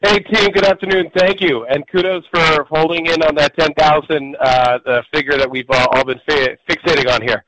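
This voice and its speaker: Higher-voiced male analyst, halting delivery. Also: steady tone, a bit bright, dry recording, poor audio. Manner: halting, stammering over repeated words. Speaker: bank analyst asking questions. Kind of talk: informal earnings call question.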